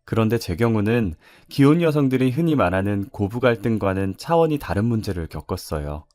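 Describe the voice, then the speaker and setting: 억양이 풍부한 남성 사연 낭독자. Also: male voice, on the low side, a little mellow, no room sound, clean studio sound. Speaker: story narrator. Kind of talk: scripted narration of a viewer's story.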